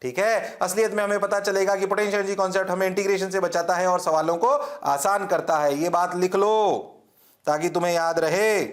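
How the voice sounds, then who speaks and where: A man's voice: high voice, steady tone, a little fast. A man from India teaching a physics class in a lecture style, firing questions at students, answering them himself, and checking again and again that they understand. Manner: mixes English terms into Hindi speech, repeats checks for understanding. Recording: echoey classroom.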